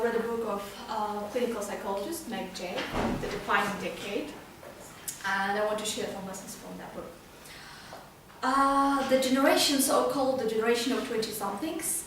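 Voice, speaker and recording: Hesitant woman speaking in a very echoey room. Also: on the high side. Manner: hesitant, restarting phrases often. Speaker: club speaker. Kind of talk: prepared amateur speech. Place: meeting room, recorded from a distance. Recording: very echoey room, distant mic, faint noise.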